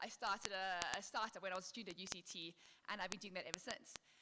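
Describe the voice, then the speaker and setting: Noticeable background noise is present. A woman is talking. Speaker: board member and tech startup founder. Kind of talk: vote of thanks speech. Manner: fast.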